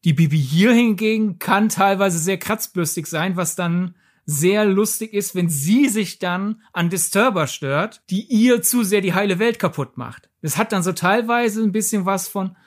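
A podcast co-host of medium pitch in a casual film discussion, talking in a rambling, analytical way. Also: measured pace. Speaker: podcast co-host reviewing films.

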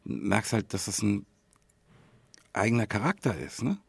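A man with a German accent chatting casually as a podcast co-host, thinking aloud haltingly and often adding little tag questions. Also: lowish voice, expressive, gravelly, husky, dry recording.

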